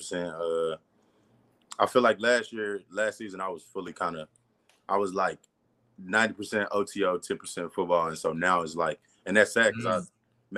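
A man with an American accent, a very deep, low pitch and a bright, sharp tone at a moderate pace, in a dry, close recording with no echo. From Arkansas, US South. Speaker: football player. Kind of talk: interview.

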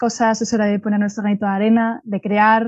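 This woman's voice has a dark, mellow tone and a fairly high pitch. Her intonation stays monotone and flat over a quiet background. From Spain, Madrid. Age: 20s. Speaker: social entrepreneur and startup CEO. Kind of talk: interview conversation.

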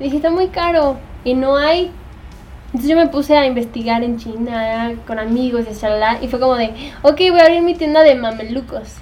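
High pitch from a woman at a moderate pace. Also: ordinary pitch variation. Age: 20s. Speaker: actress and model. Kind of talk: interview. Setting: at her home.

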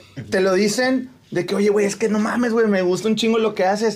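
Over noticeable background noise, a man with a high voice talks at a fairly quick pace with fairly even intonation. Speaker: podcast host. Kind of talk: casual chat.

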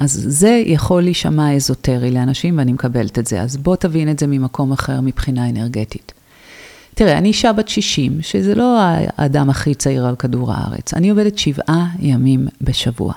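A woman at a moderate pace, her very deep, low pitch and dark, mellow tone marked by very wide pitch swings. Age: 60s. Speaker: yoga and spiritual teacher. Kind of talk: casual chat.

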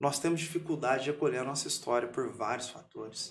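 This man has a normal speaking voice, pitched fairly high. He talks at a fairly quick pace with ordinary pitch variation. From Minas Gerais, Brazil (Passos). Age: 30s. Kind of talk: casual conversation.

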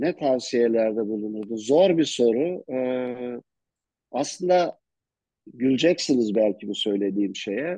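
A man speaks at a very slow pace. His tone is dark and mellow, and his intonation lively. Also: medium pitch for a man. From Turkey, Ankara. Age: 60s. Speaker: entrepreneur, businessman. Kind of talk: interview, life story.

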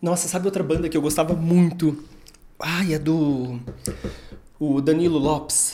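With audible room echo, a man speaks fairly slowly at a fairly high pitch, his intonation fairly even and his pauses long and frequent. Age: 30s. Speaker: podcast host. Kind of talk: casual chat.

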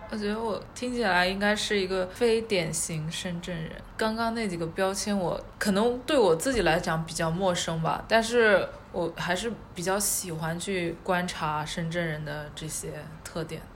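Medium pitch and ordinary pitch variation from a woman with a Hong Kong accent, at a moderate pace, amid noticeable background noise and audible room echo. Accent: Shenzhen Mandarin with Hong Kong-style. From China, Shenzhen. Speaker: visual artist. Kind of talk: casual chat.

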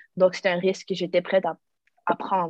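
Against a quiet background, a woman is heard with a dry, close sound and no echo. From Quebec. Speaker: university student. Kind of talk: casual interview chat.

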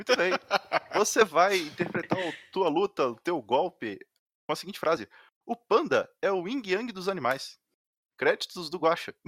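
With lively intonation and long, frequent pauses, a man speaks at a moderate pace and a high pitch, the sound dry and close with no echo. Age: adult. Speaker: game master of tabletop RPG podcast. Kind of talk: RPG narration and casual chat.

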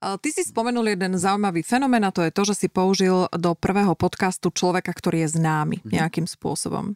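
In a very clean recording with a silent background and a dry, close sound with no echo, a woman with a plain, everyday voice talks at a medium pitch and a fairly quick pace, with ordinary pitch variation, very even loudness and hardly any pauses. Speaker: podcast host. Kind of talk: interview conversation; scripted outro.

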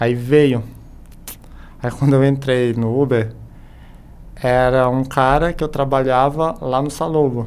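A man's medium-pitched voice at a very slow pace, with long, frequent pauses, fairly even intonation and audible room echo. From Brazil, Parauapebas (Pará). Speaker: film and TV extra. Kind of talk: casual interview chat.

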